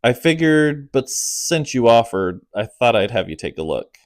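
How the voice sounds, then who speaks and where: A calm, practical dad in an audiobook, played by a man who lifts his voice only a little above his own. He speaks in an easygoing, plain way, and the recording is close and dry. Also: medium pitch, measured pace, no room sound. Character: calm practical father, a vet.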